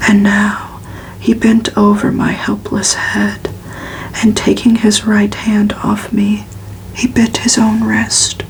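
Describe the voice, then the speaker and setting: A woman reads a gothic novel aloud for ASMR in a soft, hushed whisper, narrating evenly. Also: mid-range voice, creaky, a little hiss or hum, poor audio. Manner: slow, hushed, even narration. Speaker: ASMR reader.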